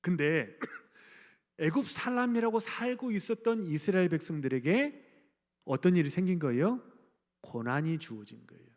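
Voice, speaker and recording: A man's voice: a little high, very animated, moderate pace, a little mellow. A middle-aged man from Gwangju preaching a sermon as pastor, speaking conversationally, asking the congregation questions and chuckling. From Gwangju, South Korea. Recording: church hall reverb.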